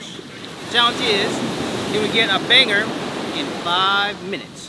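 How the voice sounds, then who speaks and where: Loud background noise surrounds the recording. A man talks in a dry sound with no echo. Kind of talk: casual vlog chat. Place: beach.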